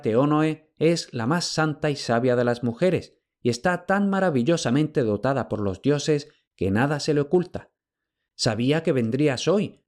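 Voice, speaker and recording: A man's voice: on the high side, a little mellow, pitched above the performer's own voice, lightly acted. A man voicing a queen in hiding who speaks with urgency and pleads with her husband.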